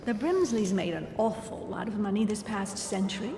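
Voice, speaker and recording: An actress playing an arch, conspiratorial society gossip who relishes scandal in a video game. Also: female voice, mid-range voice, animated, moderate pace, noisy background, lightly acted. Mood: gossipy, arch. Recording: echoey hall reverb with music behind.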